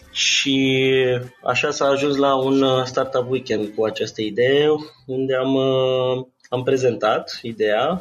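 Very slow pace, very even loudness and fairly even intonation. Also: man, medium pitch for a man. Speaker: startup co-founder. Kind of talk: interview. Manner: hesitant, many fillers.

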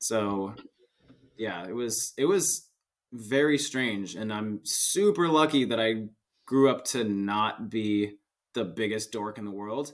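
This man speaks at a very slow pace. His pitch variation is ordinary. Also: medium pitch for a man. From Florida, US. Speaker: podcast guest, competition show contestant. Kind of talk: casual chat.

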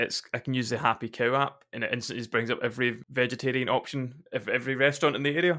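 A man's medium-pitched voice with a Glaswegian accent, bright, sharp tone, fairly even intonation and very fast pace. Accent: Glaswegian Scottish. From Scotland, Glasgow. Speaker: podcast co-host. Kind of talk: casual chat.

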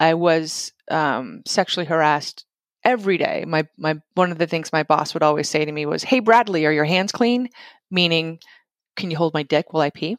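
A woman speaks at a moderate pace. The recording is very clean and dry, with a close sound, no echo and a silent background. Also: fairly low pitch for a woman, ordinary pitch variation. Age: 40s. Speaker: tech startup CEO, former radio DJ. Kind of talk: interview. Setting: podcast interview. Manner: animated.

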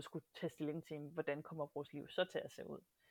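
A woman's very deep, low voice at a fairly quick pace, very clean recording with a silent background, dry and close with no echo. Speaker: actress. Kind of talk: casual chat.

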